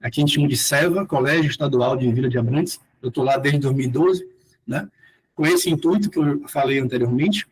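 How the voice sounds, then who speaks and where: A man's voice: medium pitch, brisk, breathy edge, rough recording. A man from Salvador with a Bahian accent, a philosophy teacher presenting his research in a hesitant academic talk full of fillers, with formal passages read aloud. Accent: Bahian Brazilian Portuguese. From Salvador, Bahia, Brazil.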